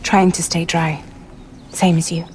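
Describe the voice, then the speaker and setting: A woman's voice: lowish voice, level tone, unhurried, a little hiss or hum, close to an everyday voice. Fragile: a woman playing a wry, guarded courier. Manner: dry, clipped, quietly wry. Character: guarded young female courier, wry and weary. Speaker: courier company leader. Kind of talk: video game cutscene acting. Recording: game cutscene with loud score.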